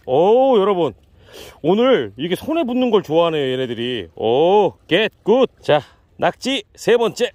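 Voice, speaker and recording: A man records himself wading through sea water on a night mudflat. His voice sits high and moves all over the place. Loud excited bursts break up his calm, low asides about what he finds. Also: a little slow. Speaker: night mudflat foraging vlogger. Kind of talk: excited outdoor narration.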